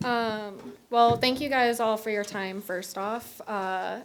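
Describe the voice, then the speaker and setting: Her voice is a plain, everyday voice. The woman speaks at a fairly slow pace with ordinary pitch variation. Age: young. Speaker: political candidate. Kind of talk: candidate interview closing statement.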